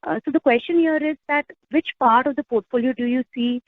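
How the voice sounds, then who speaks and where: A woman's voice: sits high, brisk, no room sound. A woman asking questions as a financial analyst, in a hesitant conversational style. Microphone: phone call. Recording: tinny narrowband phone line.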